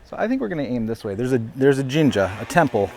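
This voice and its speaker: A man's voice: mid-range voice, big pitch swings, fast, warm tone, faint music behind. A man chatting casually through a walk-and-talk vlog outdoors on city streets, a little out of breath, rambling with fillers and amused laughs, recorded on a lavalier mic. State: slightly out of breath from walking. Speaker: vlogger. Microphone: lavalier mic while walking.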